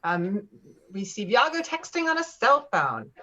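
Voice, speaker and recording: A woman's voice: medium pitch, big pitch swings, unhurried, sharp tone. A woman reading screenplay stage directions in an online table read, over lo-fi call audio. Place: remote video-call reading. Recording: dull, lo-fi video-call audio.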